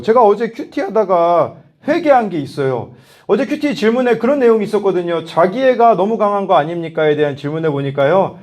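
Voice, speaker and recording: Man, youth pastor, high voice, very lively pitch, animated storyteller, laughs often. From South Korea. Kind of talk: lively youth sermon with family stories.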